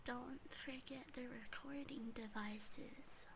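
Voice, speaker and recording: A woman voicing a cute, fretful, adoring yandere demon sister in a soft, sweet, mostly whispered ASMR roleplay, close on a binaural microphone. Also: high-pitched, steady tone, slow pace, slight background noise, exaggerated voice.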